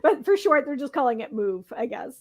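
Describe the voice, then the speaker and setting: A woman hosting a talk show in a casual panel chat, a little hoarse, chatty and often laughing. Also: high-pitched, sing-song, a little fast. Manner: chatty, laughs often, asks rhetorical questions.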